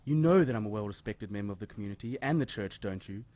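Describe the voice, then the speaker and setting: A man's voice: lowish voice, animated, fast talker, warm tone, lightly acted. A man playing a smug, predatory hairdresser in an audio drama, with an oily, suggestive and taunting manner. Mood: smug, menacing. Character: predatory male hairdresser, leering, smug churchgoer posing as respectable.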